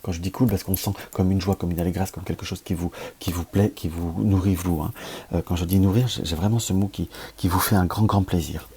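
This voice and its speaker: A French-accented man reads the day's cards, stumbling and restarting often as he searches for words. His voice is low and mellow, with a husky edge. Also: steady tone, fairly quick. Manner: hesitant, many restarts and fillers. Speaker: tarot reader. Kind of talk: daily card reading to camera.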